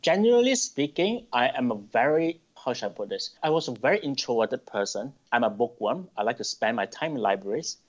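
A middle-aged man from Malaysia, answering interview questions thoughtfully, with pauses and restarts. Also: mid-range voice, very animated. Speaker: podcast guest. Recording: dull lo-fi sound.

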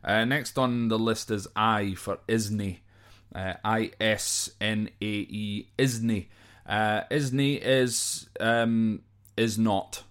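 Low-voiced, slow Scottish man. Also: steady tone, fairly bright tone, clean tone. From Scotland. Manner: hesitant, off-the-cuff, spells words out letter by letter. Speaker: podcast host. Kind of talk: informal explainer of slang, working through a list.

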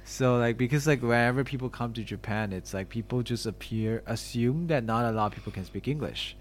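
Speaking fairly quickly in a mid-range voice, a young podcast host interviews a friend in a relaxed chat. He rambles along, leaning heavily on "like" and "you know."

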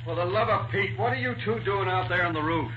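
An American man playing a gruff, impatient police sergeant who questions and accuses in slangy 1940s radio style. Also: high voice, fast, close to an everyday voice. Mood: exasperated. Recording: muffled, noisy 1940s radio recording.

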